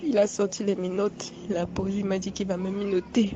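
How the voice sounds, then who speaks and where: A young adult woman giving a personal testimony, recounting events in a halting, repetitive, shaken way. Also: mid-range voice, flat delivery. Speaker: witness recounting an assault. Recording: dull lo-fi recording with faint background noise.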